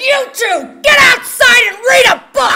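In a put-on character voice, someone bellows and shouts at an extremely high pitch, moving at a fairly slow pace. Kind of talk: live personal essay reading. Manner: bellowing, angry.

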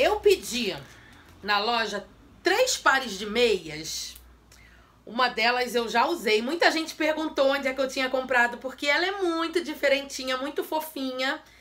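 A woman speaks in a high voice with a bright, sharp tone, her pitch swinging very widely. Her tone is animated, and her pace is moderate. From Brazil. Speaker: beauty vlogger. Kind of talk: unboxing video.

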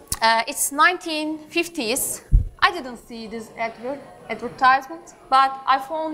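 Over light background noise, a woman speaks in a raised, projected voice at a fairly slow pace. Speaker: guest. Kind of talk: lecture. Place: hall.

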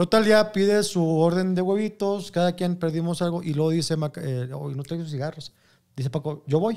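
Against a quiet background, a man speaks at a high pitch in a dark, mellow tone. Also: ordinary pitch variation, moderate pace. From Mexico. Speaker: comedian. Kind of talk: casual chat. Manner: animated. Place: studio. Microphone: studio mic.

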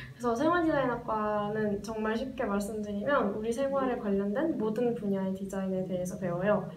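Fairly quick delivery with hardly any pauses and ordinary pitch variation, audible room echo, light background noise. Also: woman, fairly high pitch for a woman. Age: 20s. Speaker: university student. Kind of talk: casual interview. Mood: relaxed, slightly shy. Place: meeting room.

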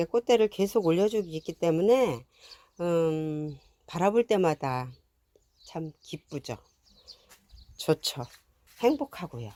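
The voice moves at a very slow pace with very wide pitch swings and long, frequent pauses. Its tone is dark and mellow, and the sound is dry and close with no echo. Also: woman, fairly low pitch for a woman. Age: 60s. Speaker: gardening vlogger. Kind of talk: casual narration while filming garden. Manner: hesitant with many fillers.

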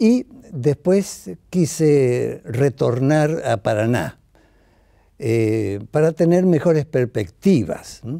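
A man's fairly high, dark and mellow voice, very slow and with very wide pitch swings, over a quiet background. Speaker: retired history teacher and author; history teacher. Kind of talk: interview. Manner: halting, many fillers. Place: studio.

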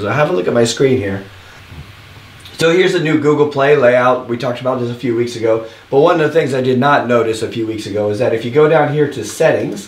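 Noticeable background noise runs under a man speaking very fast at a medium pitch with ordinary pitch variation. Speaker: mobile app developer. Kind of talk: casual talk to camera.

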